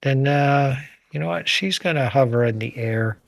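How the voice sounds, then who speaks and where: A man's voice: mid-range voice, normal speed, vocal fry, no echo. A man playing a tabletop game, talking hesitantly while fumbling through his character sheet. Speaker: player. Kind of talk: casual game talk.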